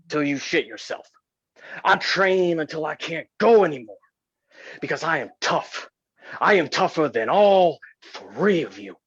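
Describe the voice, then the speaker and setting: A man playing a tough, determined old underdog wrestler, husky and emphatic, boasting in a staged promo reading. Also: a little high, no echo. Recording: dull, muffled lo-fi audio.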